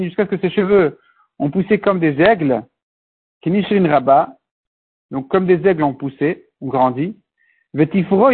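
Husky high-voiced man teaching Talmud. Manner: explains step by step, mixes Hebrew and Aramaic terms. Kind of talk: Talmud class explanation. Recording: tinny phone-like recording.

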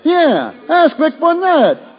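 A man's voice: extremely high pitch, huge pitch swings, slow, music in the background, exaggerated voice. An actor playing a nervous, defensive male gambler with slangy, ungrammatical American speech in an old-time radio detective drama. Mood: defensive, rattled. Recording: dull, reverberant old radio recording.

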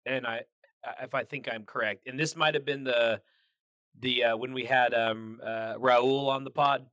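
A man's voice: mid-range voice, fairly even intonation, normal speed, a bit bright, no room sound. A man co-hosting a podcast in casual chat, joking and laughing often, with plenty of fillers and restarts. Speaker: podcast co-host.

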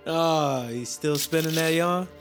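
An actor in an audio drama playing a young enslaved apprentice who asks curious, blunt questions. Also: male voice, on the high side, slow pace, over music.

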